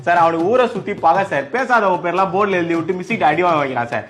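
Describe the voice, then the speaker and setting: A young man acting as a naive student in a comedy sketch, answering with innocent deadpan replies. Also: high voice, racing.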